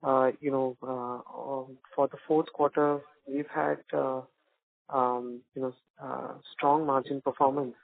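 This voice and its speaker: A man, a financial analyst asking questions on an earnings call in a hesitant, halting way. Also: mid-range voice, level tone, gravelly. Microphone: phone call. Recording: tinny phone line.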